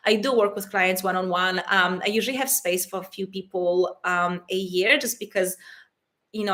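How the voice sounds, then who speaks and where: Bright Polish-accented woman coach. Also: medium pitch. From Poland. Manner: warm and affectionate, calls viewers "my loves", laughs often. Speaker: intimacy coach hosting a livestream. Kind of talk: live-stream Q&A wrap-up.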